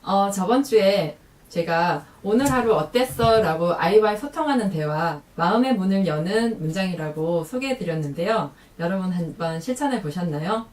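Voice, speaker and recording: Woman parenting vlogger, chatty and animated, roomy echo, kinda far from the mic. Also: moderate pace. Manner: lively, acts out quoted lines in a higher voice. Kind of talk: casual talk to camera.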